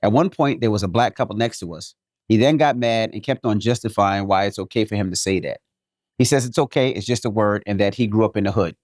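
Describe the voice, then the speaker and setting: A man from New York City co-hosting a podcast, reading a listener's email aloud and then giving his take in a joking, animated way. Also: fairly low pitch, fast talker, no echo, studio quality. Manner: animated, jokey, repeats himself. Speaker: podcast co-host.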